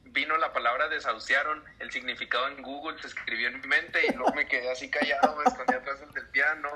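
A man's voice: mid-range voice, fast, a loud crowd, poor audio. A man in his twenties with a Mexican accent, a church musician telling stories in a casual interview and acting out the voices in them. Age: 20s. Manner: animated storyteller, acts out voices.

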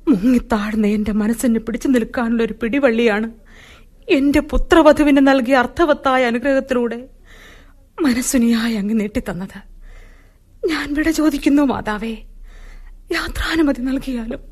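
An actress playing a sorrowful, humble queen in a classic radio drama, speaking in a measured, formal and mournful way. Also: on the high side, darkish tone, natural voice.

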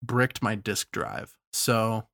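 Man, hoarse, playful self-mocking podcast co-host, dry close sound. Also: fairly low pitch, expressive, takes it slowly, fairly bright tone, dry recording. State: hoarse from a sore throat. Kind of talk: casual chat.

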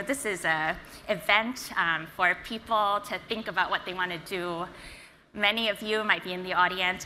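A woman from Singapore, a founder giving an earnest, energetic conference talk. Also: on the low side, slight background noise. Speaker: startup founder and CEO. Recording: reverberant hall, faint ambience.

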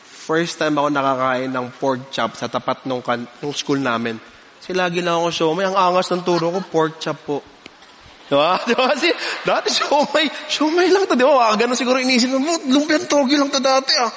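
A man, preaching a sermon and telling a personal story in an animated way, often laughing between lines. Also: a little high, fairly quick, in a large hall, a little hiss or hum.

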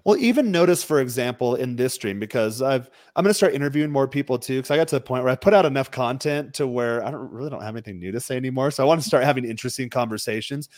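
A man, a dating coach and podcast guest, explains his methods in a measured, lecturing way. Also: mid-range voice, a little mellow, dry recording, studio quality. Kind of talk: podcast conversation.

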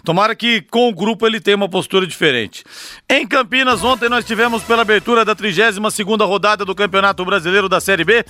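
Brazilian male radio host, high-pitched, forceful, emphatic announcer delivery, sports round-up and hard-sell ad reads. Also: quick pace.

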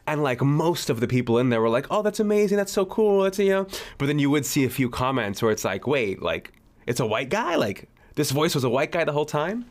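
A man's voice: on the high side, very animated, fairly quick. Young man, rambling casual talk, lots of "like", voice call. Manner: rambling, heavy use of "like". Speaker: podcast co-host, producer. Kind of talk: casual group chat over a voice call.

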